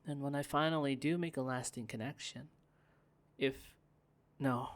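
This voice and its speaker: A young man voicing a gentle, guarded corporate heir in an ASMR roleplay, speaking softly with stammering restarts. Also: mid-range voice, fairly even intonation, moderate pace, lightly acted. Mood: wistful. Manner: soft-spoken, hesitant, stammering restarts. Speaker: roleplay performer.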